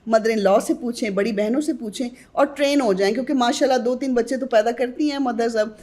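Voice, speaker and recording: A woman's voice: on the high side, warm tone. A woman who is a guest on a podcast interview, earnestly advising mothers on newborn care and addressing them directly.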